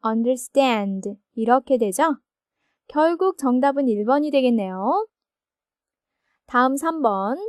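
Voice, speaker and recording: A woman teaching English grammar in a recorded textbook lesson, explaining slowly and checking each point with her listeners. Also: sits high, expressive, no room sound, studio quality. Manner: slow, explanatory, asks confirming questions.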